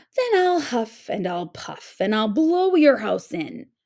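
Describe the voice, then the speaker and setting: Growling in a put-on character voice, a woman speaks high in pitch with very wide pitch swings. Her pace is fairly slow. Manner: growling, menacing.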